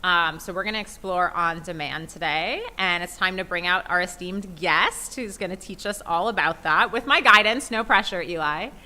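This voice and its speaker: Female host, lower-pitched but bright and forward, casual explainer presenting to an audience. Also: moderate pace, few pauses. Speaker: podcast host.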